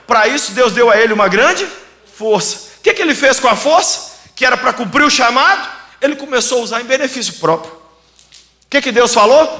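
Male pastor, very high bright voice, lively storytelling sermon, echoey sanctuary. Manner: animated, humorous storytelling with acted-out dialogue. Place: church sanctuary. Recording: echoey church hall.

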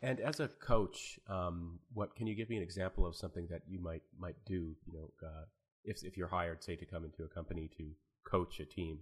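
A man interviewing a guest, asking hesitant, halting questions. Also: low-pitched, fairly even intonation, husky.

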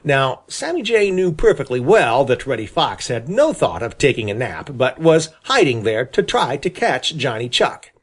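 Husky man with a lively storytelling voice. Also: mid-range voice, normal speed, hardly any pauses. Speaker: audiobook reader. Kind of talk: children's storybook narration.

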